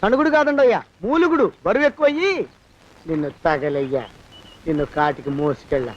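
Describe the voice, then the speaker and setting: A man's voice: extremely high pitch, lively intonation, quick pace. An actor playing a sarcastic male servant who grumbles and mutters curses at his master. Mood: grumbling. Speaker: film actor. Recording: dull lo-fi film soundtrack with faint noise.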